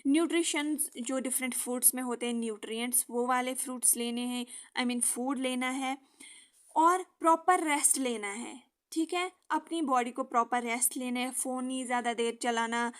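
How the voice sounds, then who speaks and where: A young woman explaining a lesson for exam students in casual Hindi with English terms, often checking in with a quick "okay". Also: sits high. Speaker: exam-prep teacher.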